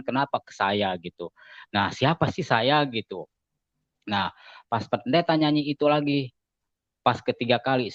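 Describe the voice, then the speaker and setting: A man giving a casual spoken testimony as an interview guest, telling his story in an animated way and acting out the lines of other people. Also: no room sound. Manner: animated storytelling, acting out quoted dialogue with raised pitch. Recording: dull, slightly lo-fi dry sound.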